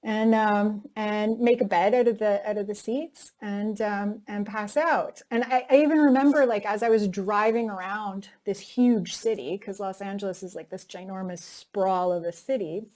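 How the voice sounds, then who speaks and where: A woman's voice: mid-range voice, steady tone, moderate pace, hardly any pauses, a little mellow. A woman in an interview, telling her own story candidly and reflectively, often dropping in "like" and "you know". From North America. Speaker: actress interviewee.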